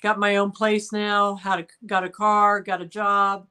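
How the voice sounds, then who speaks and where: A woman's voice: medium pitch, level tone, measured pace, sharp tone, smooth. A woman from Indiana, a guest on an interview show, speaking plainly and matter-of-factly. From Frankfort, Indiana. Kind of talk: personal story in interview.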